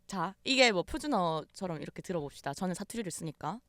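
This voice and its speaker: A woman's voice: on the low side, lively intonation, a little fast, fairly bright tone, no room sound, studio quality. A woman arguing in a playful mock debate, theatrical, drawing out words for emphasis and laughing often.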